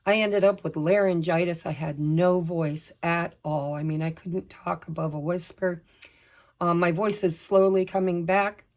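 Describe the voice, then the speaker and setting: A woman with a somewhat low, slightly hoarse voice chats casually through a tarot reading. She shares personal updates and apologizes as she goes, while shuffling her decks. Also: steady tone, unhurried, darkish tone. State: slightly hoarse, recovering from laryngitis. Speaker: tarot reader.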